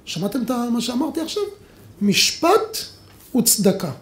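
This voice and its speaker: A man giving a rabbi's lecture to an audience, telling stories dramatically and acting out the dialogue with big swings between loud and quiet. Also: big pitch swings, reverberant. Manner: dramatic storytelling, acts out dialogue with big swings in pitch and volume. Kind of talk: lively Torah lecture.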